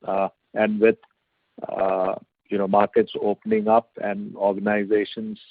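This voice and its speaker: A male company executive giving halting, measured, hedging answers on an earnings call over a conference phone line. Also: fairly low pitch, completely flat delivery, no echo.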